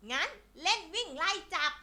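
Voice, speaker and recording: A woman's voice: extremely high pitch, expressive, moderate pace, crowd noise. A woman voicing a friendly, industrious little ant in a children's story, speaking plainly with a chiding streak. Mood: friendly, inviting.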